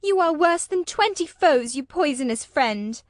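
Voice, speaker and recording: A woman doing a lovesick, indignant young girl with a high voice. She pleads and protests petulantly. The voice is recorded close and dry, like an audiobook. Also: big pitch swings, moderate pace, dry recording. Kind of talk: audiobook character voice.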